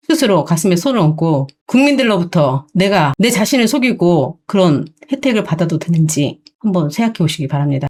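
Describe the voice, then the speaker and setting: A woman's voice: on the low side, a little mellow. A woman hosting her own channel, delivering an opinion commentary monologue in an indignant tone full of rhetorical questions. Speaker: channel host.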